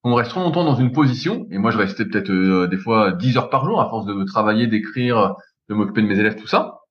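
A man co-hosting a podcast, talking casually with a joking, measured manner. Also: lowish voice, lively intonation, dull audio. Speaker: podcast co-host.

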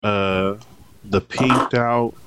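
A man co-hosting a podcast in a relaxed way, summing points up plainly. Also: on the low side, extremely slow, heavy background noise. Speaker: podcast co-host. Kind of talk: casual chat.

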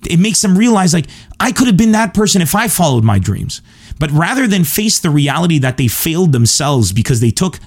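This is a mid-range, darkish male voice belonging to a stand-up comedian from Lebanon. Alone on his podcast, he responds to listener questions with an emphatic, self-assured earnestness.

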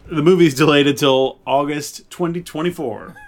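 A man's voice: fairly high pitch, normal speed. A man co-hosting a podcast, chatting casually about movies in short, offhand remarks. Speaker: podcast co-host.

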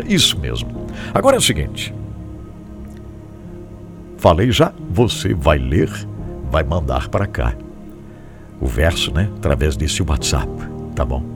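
A Brazilian man hosting a Christian radio program from a studio, his voice low and gravelly. He talks in a lively, swooping way, urging listeners on and repeating himself for emphasis. Music plays clearly behind him. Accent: Brazilian Portuguese. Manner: animated and encouraging, repeats phrases. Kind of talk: devotional radio show, addressing listeners.

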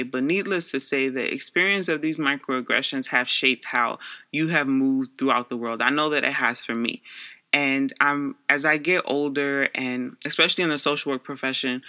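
Young Bronx-raised man, native Garifuna speaker, slightly high voice, earnest reflective monologue. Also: bright, forceful tone. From Bronx, New York, USA. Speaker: social worker.

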